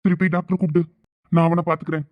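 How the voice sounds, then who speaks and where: A man voicing a cartoon character with a Thoothukudi Tamil accent, pleading and hurried. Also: a little high, flat delivery, no room sound, phone-quality sound. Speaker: narrator and voice of all male characters. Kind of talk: cartoon voice acting.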